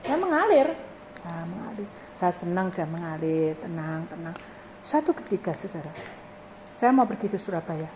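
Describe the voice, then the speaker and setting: A woman's voice: lowish voice, moderate pace. A woman pastor, telling a testimony in her sermon and acting out the voices of the people in it. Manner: animated storytelling, acting out voices in dialogue. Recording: noisy live recording.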